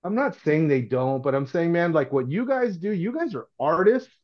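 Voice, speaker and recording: A man's voice: a little high, lively intonation, normal speed. A middle-aged man, a podcast guest talking casually and earnestly, often restarting his sentences. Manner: earnest, rambling, with frequent restarts. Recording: dull, lo-fi sound.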